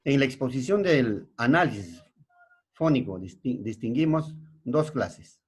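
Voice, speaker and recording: A husky male teacher with a Peruvian Spanish accent explains a lesson at a slow, unhurried pace. He often stops to check with his students, and his voice sits at an ordinary middle pitch. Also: expressive, a little mellow. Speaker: secondary school language teacher. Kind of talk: classroom lesson.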